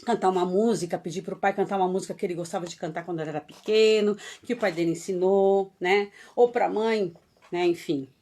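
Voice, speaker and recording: A woman from Brazil, an early childhood educator giving a live online talk, chatty and full of tag questions, growing animated as she leads the audience in games. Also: lowish voice, fairly quick.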